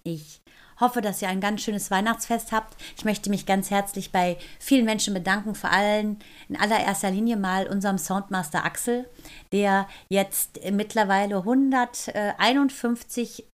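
A woman podcast host thanking people in a warm, self-deprecating casual way. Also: mid-range voice, fairly even intonation, normal speed.

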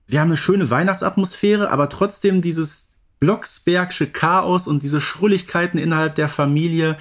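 A man co-hosting a podcast, talking casually and conversationally. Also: fairly high pitch. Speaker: podcast co-host. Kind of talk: casual podcast chat about audio dramas.

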